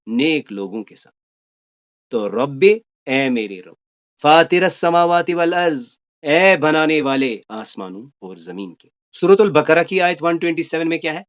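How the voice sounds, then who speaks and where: A man teaching a Quranic Arabic grammar lesson. He recites verses slowly and then explains them briskly. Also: medium pitch, lo-fi sound.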